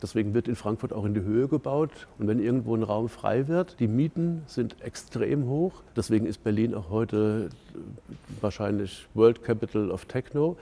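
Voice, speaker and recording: A man's voice: on the low side, gravelly, warm tone. A man giving an interview, speaking in a reflective, conversational way with a few fillers.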